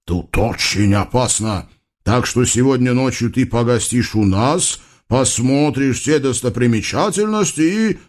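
A man's voice: mid-range voice, animated, a little mellow, natural voice. A man voicing a sly, cowardly aging bandit chief who talks in a wheedling, evasive way. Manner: wheedling, evasive, with drawn-out interjections.

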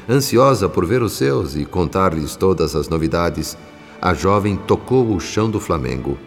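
A man with a Brazilian accent playing a solemn, reflective spirit narrator in a scripted radio drama. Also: low voice. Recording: long reverb, music behind.

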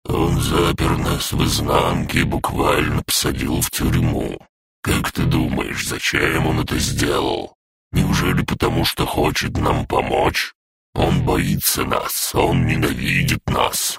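Guy putting on a deep disguised monster voice, slow scary crab nightmare, super raspy and gravelly. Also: fairly even intonation, fairly bright tone, exaggerated voice. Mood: menacing urging. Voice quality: frightening deep low voice. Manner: slow, gravelly, husky menace. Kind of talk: storybook reading.

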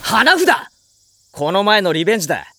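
A man's voice: sits high, sing-song, moderate pace, pushed and bright, heavily acted. A man playing a brash, easily flustered teenage schoolboy in an anime audio drama. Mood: cocky, fired up. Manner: brash, cocky, stammering when cornered.

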